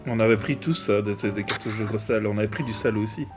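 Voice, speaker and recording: A man's voice: on the low side, fairly quick. A French man playing in a tabletop role-play game, working out his moves and rolls aloud in casual talk. Faint music sits behind him. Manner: thinking aloud over dice rolls. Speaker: player.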